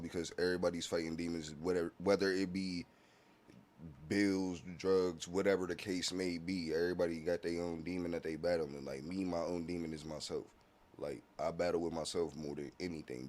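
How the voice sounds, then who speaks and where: A man's voice: low voice, a little mellow. A man talking as a musician guest in a casual podcast conversation, laid-back and heavy on slang, often checking in with "you feel me".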